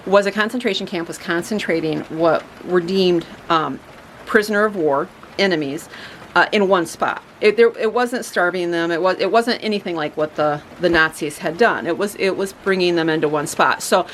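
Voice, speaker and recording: A woman's voice: on the low side, slight background noise, low-quality recording. A woman hosting a family homestead channel, talking casually and chattily with many fillers and restarts. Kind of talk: casual talk to camera.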